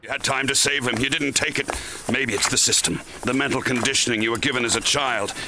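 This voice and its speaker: A man acts a principled costumed crime fighter in an audio drama. He is terse, grave and brooding, mid-pitched, over heavy noise. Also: steady tone, fast talker, creaky, close to an everyday voice.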